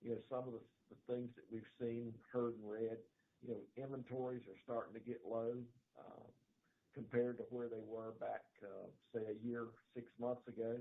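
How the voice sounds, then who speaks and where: A middle-aged man, a company executive answering analysts on a conference call in a folksy, hedging, halting way. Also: mid-range voice, level tone. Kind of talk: unscripted earnings call answer. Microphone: telephone conference call. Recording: narrow phone line with clear noise.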